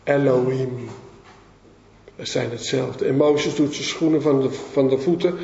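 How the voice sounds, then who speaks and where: A man preaching a sermon and reading from the Bible, emphatic with dramatic swings in pitch and loudness. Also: fairly even intonation, measured pace, vocal fry. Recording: echoey hall, dull lo-fi sound.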